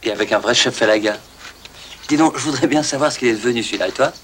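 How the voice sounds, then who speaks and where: A man's voice: medium pitch, quick pace, a bit bright, slight background noise, lightly acted. A man playing a joking, nostalgic army veteran in casual banter in a film comedy. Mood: amused.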